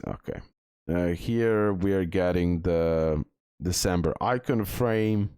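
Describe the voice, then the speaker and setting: A man's voice: low-pitched, darkish tone, no echo, clean studio sound. A man giving casual commentary on game news and talking through images on screen, with frequent filler sounds. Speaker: gaming video creator.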